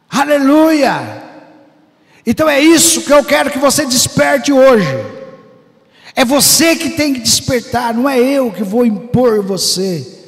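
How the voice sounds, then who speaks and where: A very high-voiced man preaching with fervor, his gravelly voice rising into shouts and chanted lines. Long reverb from a church hall trails each phrase. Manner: fervent, shouting bursts and sing-song preaching. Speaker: pastor. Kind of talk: Pentecostal sermon.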